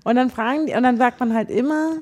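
Rambling Berlin woman, mellow voice. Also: fairly high pitch, quick pace. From Berlin, Germany. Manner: rambling, many restarts and fillers. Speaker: podcast co-host. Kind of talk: casual chat.

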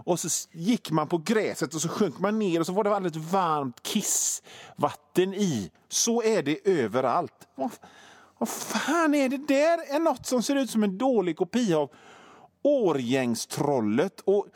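On his radio show, a middle-aged man tells absurd tall tales full of swearing and lively shifts in delivery. His voice sits high, with no echo and a clean studio sound.

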